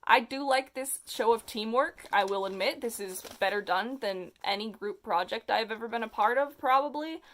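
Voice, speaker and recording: A young adult with a feminine-sounding voice, reading a story they wrote as a child and mocking it, animated and self-deprecating. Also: female voice, a little high, normal speed, hardly any pauses, slight background noise. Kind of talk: comedic reading and commentary.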